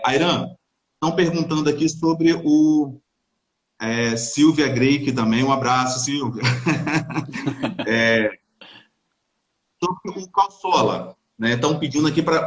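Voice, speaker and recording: A man's voice: on the high side, a little slow, slight background noise, poor audio. A male interviewer hosting a live interview, upbeat, greeting audience members by name between his questions.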